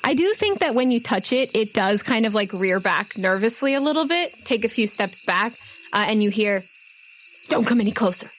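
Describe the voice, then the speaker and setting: A woman runs a tabletop game in a casual narrating style. Her voice is a bit high, and faint night sounds with crickets play behind it. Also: lively intonation, moderate pace, fairly bright tone, a little hiss or hum, poor audio. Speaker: game master.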